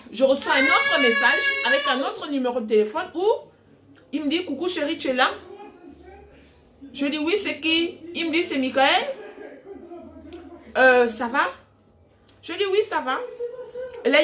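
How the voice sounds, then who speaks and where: A woman's voice: high voice, background noise. A young adult woman vlogging at home, casually retelling a story with lots of quoted dialogue. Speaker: cooking vlogger. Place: home kitchen.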